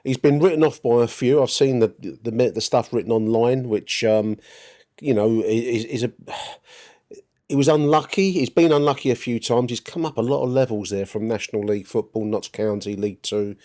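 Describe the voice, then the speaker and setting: A man's voice: medium pitch, normal speed, warm tone. A man hosting a football podcast, chatting through his opinions in a rambling way and repeating words as he thinks. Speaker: podcast host. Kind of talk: conversational football commentary.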